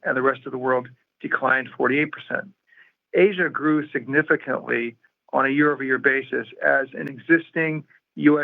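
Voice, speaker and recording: A man's voice: medium pitch, gravelly. A man formally reading a scripted financial report in a matter-of-fact way, as a company executive on an earnings call. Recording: muffled, narrow-band phone conference line.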